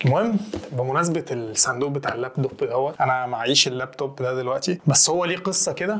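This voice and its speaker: A man with an ordinary speaking voice, pitched fairly high, talks at a fairly quick pace with ordinary pitch variation. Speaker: YouTuber and consultant on life in Germany. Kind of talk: casual vlog monologue. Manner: conversational, informal.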